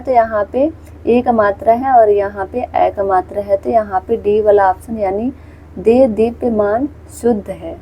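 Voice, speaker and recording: A woman from India teaches a Hindi exam-prep lesson, patiently working through questions, repeating words and directing viewers to the screen. Her voice is on the high side and mellow with a breathy edge, and the recording is rough.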